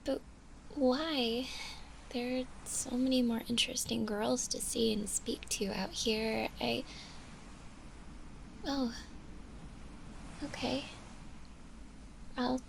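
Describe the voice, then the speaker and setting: A woman voicing a shy, gentle undead zombie girl in an ASMR roleplay, speaking softly and breathily in a hesitant, bashful way, often in a whisper. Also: a little high, gravelly, a little hiss or hum, heavily acted, poor audio. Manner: hesitant, bashful, halting with small giggles.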